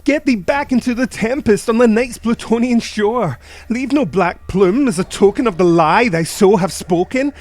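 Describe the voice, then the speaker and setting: A man's voice: high voice, normal speed, no echo, voice pushed up, natural voice. A man playing a grieving, tormented man in a theatrical, anguished dramatic reading of gothic poetry. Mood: shrieking fury. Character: grieving man tormented by terror, pleading and shrieking.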